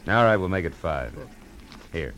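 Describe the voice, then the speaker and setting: An actor playing a tough, sardonic private eye who narrates and acts in a 1940s radio noir drama. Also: male voice, low-pitched, animated, normal speed, fairly bright tone, a little hiss or hum, low-quality recording. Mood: probing. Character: hard-boiled, wry male private eye. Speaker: narrator and lead. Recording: old radio recording with music.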